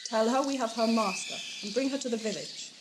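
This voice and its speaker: A woman's voice: fairly high pitch, a little fast, background noise, close to an everyday voice. A woman playing an imperious, formal tribal leader in an audio drama. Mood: commanding. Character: stern, commanding female tribal leader.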